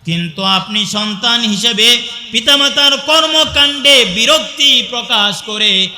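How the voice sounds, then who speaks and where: In an animated waz sermon, a man with a Bangladeshi Bengali accent and a high, piercingly bright voice first chants Arabic verses slowly in a drawn-out singsong. He then preaches, calling out to the crowd with rising intensity. Long reverb from a large hall surrounds each phrase.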